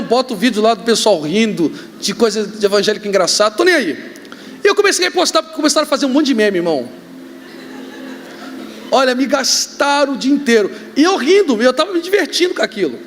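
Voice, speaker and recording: A man with a Brazilian accent, a pastor preaching a sermon, joking and telling stories with sudden shouts. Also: very high-pitched, fast, slight background noise. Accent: Brazilian Portuguese. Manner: joking, animated storytelling with shouts. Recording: reverberant hall, faint ambience.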